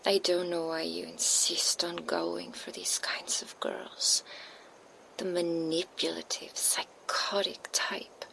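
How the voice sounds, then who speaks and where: A woman voicing a cold, menacing female vampire enforcer in an ASMR roleplay, speaking in a soft, slow, taunting whisper into a binaural microphone. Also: fairly low pitch, gravelly, exaggerated voice, poor audio.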